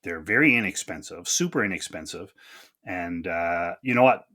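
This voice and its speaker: A man's voice: sits low, animated, moderate pace, bright, forceful tone. A man hosting a podcast, chatting casually and chummily with his guest. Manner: chummy, calls guest buddy and sir. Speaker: podcast host. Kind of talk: casual interview chat.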